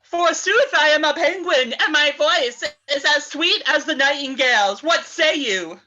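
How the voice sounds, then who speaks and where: A woman's voice: sits high, lively intonation, a little slow, bright, forceful tone, lo-fi sound, heavily acted. A woman voicing a grand, exalted penguin preacher in improvised comedy, declaiming theatrically. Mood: haughty, theatrical.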